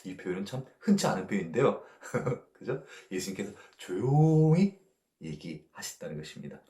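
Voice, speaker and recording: A male pastor teaches a Bible study in a relaxed, conversational way. He often checks in with his listeners through short tag questions and chuckles lightly between points. His pitch swings widely, and the recording carries a noticeable room echo. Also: fairly quick.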